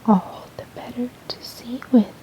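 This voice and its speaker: A woman's voice: on the high side, fairly even intonation, a little slow, warm tone, natural voice, low-quality recording. A woman whispering the part of a cunning male wolf pretending to be a sick grandmother, sly and coaxing. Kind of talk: ASMR storybook reading.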